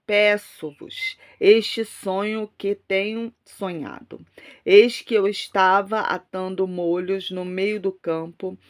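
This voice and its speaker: A Brazilian woman speaks as an online pastor. Her voice sits at a middle pitch for a woman, and she has a cold. She delivers her words in an emphatic religious style, leaning on repeated devotional phrases. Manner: emphatic, repetitive religious exhortation. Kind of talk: fervent prayer, preaching and scripture reading.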